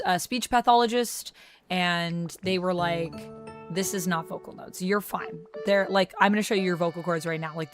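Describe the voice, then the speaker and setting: A woman chatting casually on her live stream, reading chat messages aloud and replying to viewers. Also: on the low side. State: recovering from vocal strain.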